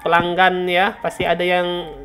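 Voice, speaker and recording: A young woman giving casual let's-play commentary, chatty, repeating words in quick bursts and often addressing her viewers. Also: lowish voice, completely flat delivery, a bit bright, soft background music. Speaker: gaming channel host.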